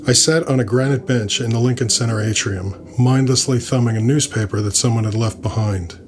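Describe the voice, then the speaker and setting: A man's voice: mid-range voice, a little fast. A man narrating scripted urban fantasy fiction in the first person, with a dry, wry delivery.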